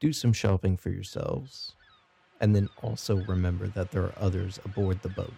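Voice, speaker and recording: A man's voice: sits low, steady tone, normal speed, creaky, warm tone, a little hiss or hum. A man voicing a stern, curt recruiter dressed in black garb in a tabletop game.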